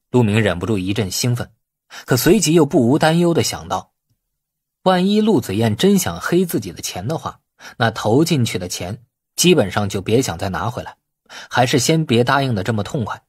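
A man's voice: medium pitch, husky, dry recording, studio quality. A man narrating a novel as an audiobook, telling the story in a dramatic, scripted manner.

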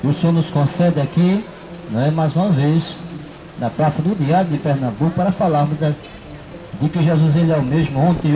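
A man's voice: fairly high pitch, muffled recording, background noise. A middle-aged man, preaching an open-air sermon into a handheld microphone in a city square, often adding "né" and "não é" between his phrases. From Brazil. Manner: repetitive, fills with "né" and "não é". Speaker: street preacher. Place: city park square, outdoors.

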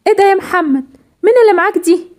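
A woman's voice: very high-pitched, racing, a little mellow. A woman with an Egyptian Arabic accent voicing a fierce, betrayed wife and mother in a doll cartoon, scolding her husband with indignant accusations. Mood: accusing. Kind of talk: storytelling doll cartoon voiceover.

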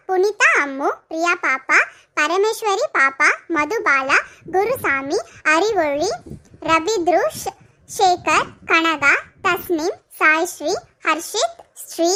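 A woman hosting a cartoon channel, briskly reading out viewer names. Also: very high voice, sharp tone, a little hiss or hum. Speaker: channel host.

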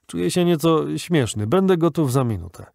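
An exhausted time traveller who speaks haltingly, still shaken and groping for words, as an audiobook reader puts him on. The tone is dark and mellow, in a dry, close recording. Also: male voice, fairly high pitch, lively intonation, vocal fry, dry recording, pitched above the performer's own voice. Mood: weary. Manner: halting, unsteady, searching for words.

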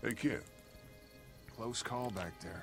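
An actor playing a steady grown man who leads a group of zombie survivors in a video game. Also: medium pitch, slow, breathy edge, full character voice. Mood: calm. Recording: game audio played under commentary, faint music.

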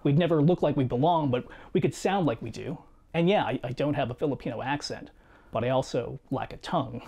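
A man in his thirties reading a scripted personal video essay in a measured, reflective way, seated in a small home studio. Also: mid-range voice, breathy edge, dull audio. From United States. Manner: measured, reflective storytelling with quiet asides. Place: small home studio room with guitars and shelves.

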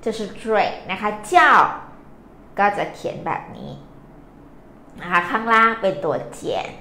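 A woman with a medium-pitched, bright, pushed voice speaks unhurriedly with big swings in pitch. She's a Chinese language teacher running a live-streamed vocabulary lesson, patiently explaining character strokes and quizzing her viewers. The room is echoey, with faint noise in the background.

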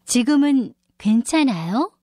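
A woman reading short questions in a scripted listening-test dialogue with a clear, questioning delivery. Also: a little high, animated, unhurried, warm tone, dry recording, studio quality. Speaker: dialogue reader on a Korean listening exam.

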